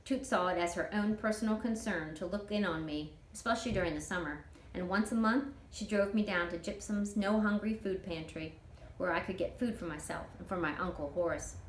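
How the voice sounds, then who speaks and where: Female storyteller for children's fiction, expressive read-aloud, somewhat low voice, recorded with noticeable room echo. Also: a little fast, hardly any pauses. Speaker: author reading her novel aloud. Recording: roomy echo, clear background noise.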